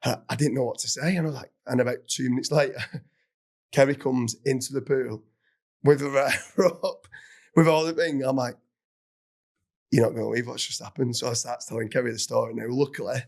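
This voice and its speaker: A man hosting a podcast, telling a funny story in a casual, animated way with plenty of swearing and laughter. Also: medium pitch, brisk, creaky. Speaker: podcast host.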